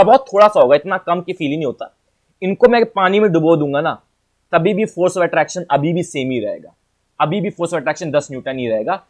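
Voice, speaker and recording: Chatty, repetitive male physics teacher. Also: a little high. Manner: repeats phrases and asks the viewer rhetorical questions; playful, chatty asides. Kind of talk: exam-prep lecture.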